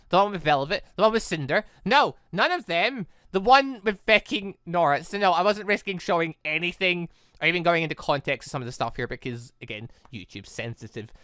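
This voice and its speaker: A man with a bright, clear voice hosts a casual let's play. His pitch swings widely as he rambles along excitably. The delivery is informal and conversational. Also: dry recording, studio quality. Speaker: gaming video host.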